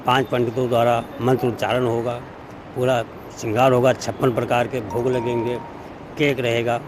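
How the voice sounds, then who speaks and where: A man's voice: medium pitch, level tone, normal speed. A man listing his family's festival plans item by item. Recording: outdoor street noise.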